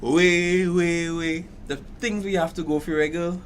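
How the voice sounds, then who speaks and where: A man's voice: fairly high pitch, steady tone, unhurried, lightly acted. Guy acting flamboyant gay best friend, caribbean accent, sassy gossipy but caring, audio drama chat, some noise behind. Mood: incredulous. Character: flamboyant, gossipy, sympathetic gay man, loyal confidant. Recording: noticeable background noise.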